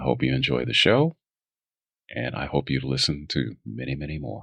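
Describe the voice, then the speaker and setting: A man talks at a moderate pace in a very deep, low voice with vocal fry. His intonation is fairly even. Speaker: aspiring voiceover artist. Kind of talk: podcast intro.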